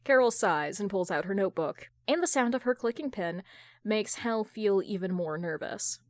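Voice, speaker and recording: A woman's voice: medium pitch, expressive, normal speed. A woman reading scripted fiction as an audiobook-style narrator, with wry asides. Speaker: podfic narrator.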